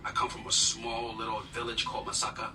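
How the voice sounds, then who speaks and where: A man from Uganda, appearing as a guest, tells his life story in an earnest, humble way full of fillers during a personal storytelling interview. His lowish voice is completely flat and a little fast, recorded on a distant mic with noticeable noise.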